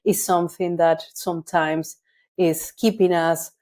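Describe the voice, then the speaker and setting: A woman's voice: on the low side, flat delivery, unhurried, warm tone. A woman hosting a podcast, asking earnest, reflective questions in long winding sentences. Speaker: podcast host. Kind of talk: conversational interview.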